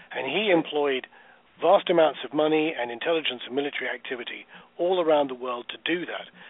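With a British accent, a man talks at a fairly quick pace in a fairly high pitch. His pitch variation is ordinary, while his loudness swings widely. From southern England, west of London. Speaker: author. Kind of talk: radio interview, book talk. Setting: remote call.

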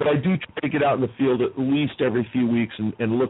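A man speaks with an American accent in an unremarkable speaking voice. His pace is fairly quick and his pitch variation ordinary. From Las Vegas, US. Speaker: theme park maintenance technician. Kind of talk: casual chat.

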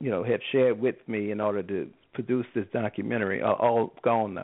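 Speaking in a New Orleans accent, a man is heard here. He keeps a moderate pace. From New Orleans, Upper Ninth Ward. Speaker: documentary producer and genealogist. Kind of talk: interview.

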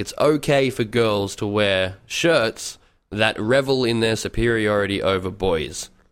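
A man with a fairly low voice and ordinary pitch variation is heard on a very clean recording, the background completely silent. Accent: Australian. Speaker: podcast host. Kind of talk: opinion monologue. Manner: casual.

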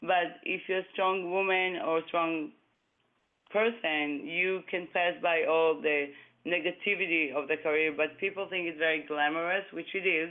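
A man with an Israeli accent speaks at a moderate pace in a high voice, his intonation fairly even. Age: 20s. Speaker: actress and model. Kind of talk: casual interview chat. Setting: phone call.

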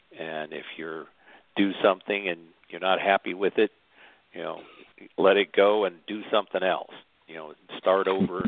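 A man with an American accent speaks at a moderate pace in a very deep, low, monotone voice, with big swings in loudness and long, frequent pauses. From Southern California. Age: 70s. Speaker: artist and business coach. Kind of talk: interview conversation.

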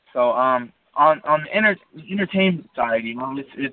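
A man speaks at a moderate pace in a fairly high voice. It is an unremarkable speaking voice with ordinary pitch variation. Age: 20s. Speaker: MMA fighter. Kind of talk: interview. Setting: phone call.

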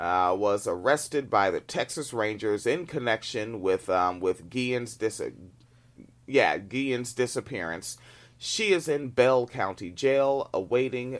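In an American accent, a man speaks at medium pitch and a fairly slow pace with lively intonation, on a very clean recording with a silent background. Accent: West Coast US drawl, increasingly noticeable. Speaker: podcast host. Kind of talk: casual chat. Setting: home recording, early morning.

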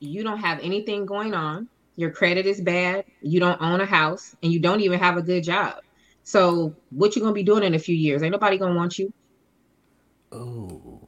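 In a normal speaking voice, a woman with a fairly low pitch talks at a moderate pace with ordinary pitch variation. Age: 40s. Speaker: podcast guest. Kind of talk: casual chat. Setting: video call. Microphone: connection going in and out.

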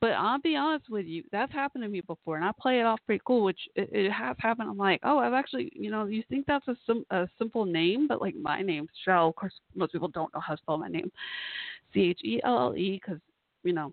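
With vocal fry and lively intonation, a woman at medium pitch talks at a fairly quick pace in a dry, close sound with no echo.

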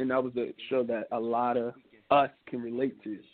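Speaking in an ordinary speaking voice with an American accent, a man holds a medium pitch and fairly even intonation. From Baltimore, Maryland. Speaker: acting coach. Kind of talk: interview.

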